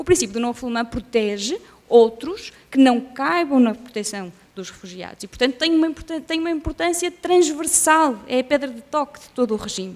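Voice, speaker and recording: A high-pitched woman at a fairly quick pace, with very wide pitch swings and big swings in loudness. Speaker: law professor. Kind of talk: conference talk. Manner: fast.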